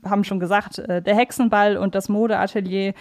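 Female podcast host, medium pitch, informal questions worked out aloud. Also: fairly even intonation, brisk, a little mellow. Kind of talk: casual conversational interview.

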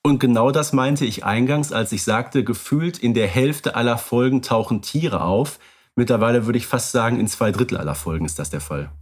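A man co-hosting a podcast in relaxed casual chat, hedging with filler phrases. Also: mid-range voice, normal speed, breathy edge. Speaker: podcast co-host.

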